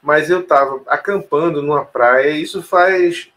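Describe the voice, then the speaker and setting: A man's voice: fairly high pitch, unhurried, a bit bright. A man telling a personal story in an interview, hesitant, with many fillers and restarts. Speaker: interview guest. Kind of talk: casual storytelling conversation.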